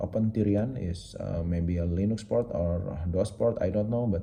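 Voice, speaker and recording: A man's dark, mellow tone comes across somewhat breathy, with ordinary pitch variation. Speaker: tech reviewer; handheld console reviewer. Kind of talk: casual tutorial. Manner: halting, many fillers. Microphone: phone near.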